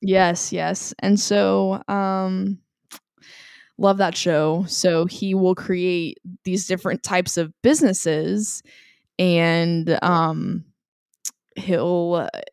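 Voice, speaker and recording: A woman's voice: on the low side, darkish tone, dry recording, clean studio sound. A woman co-hosting a podcast in casual chat, chatty and laughing often, with plenty of fillers. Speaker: podcast co-host.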